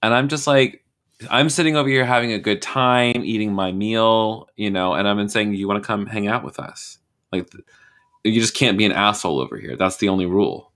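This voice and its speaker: Host, man, lowish bright voice, blunt and jokey, casual swearing. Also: a little fast, clean tone. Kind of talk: casual video chat.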